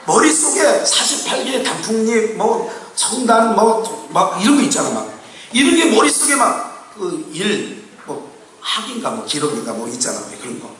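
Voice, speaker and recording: High bright-voiced preacher in an echoing hall. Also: male voice, normal speed. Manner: preaching with constant rhetorical questions to the congregation; colloquial and animated, with laughs and bursts of shouting. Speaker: pastor. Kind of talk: sermon. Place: church sanctuary. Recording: echoey hall, mic far from speaker.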